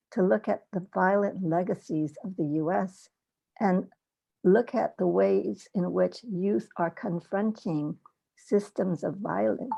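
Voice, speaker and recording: A middle-aged woman speaking as a panel guest, thoughtful and measured, mixing personal stories with points on scholarship. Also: medium pitch, vocal fry, dark tone. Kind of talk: panel discussion.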